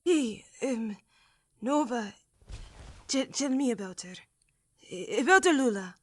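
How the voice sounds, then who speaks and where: A woman playing a frightened young companion in an audio drama, stammering and pleading in a halting, timid way. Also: a little high, animated, fairly bright tone, full character voice. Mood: anxious, prodding. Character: frightened, pleading young companion afraid of being left alone.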